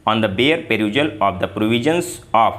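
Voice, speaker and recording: A man dictating formal legal text for shorthand practice, reading it out in deliberate, separated phrases. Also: fairly low pitch, expressive, a bit bright.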